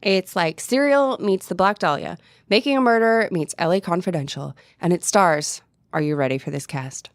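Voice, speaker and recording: A woman's voice: on the low side, moderate pace, no room sound, clean studio sound. A woman hosting a podcast, giving a chatty, upbeat promotional read. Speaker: podcast host.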